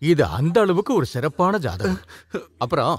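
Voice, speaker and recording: A flattering village astrologer. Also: male voice, fairly high pitch, normal speed, husky. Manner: grand, flattering predictions. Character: older male village astrologer, sly flatterer. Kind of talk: film dialogue.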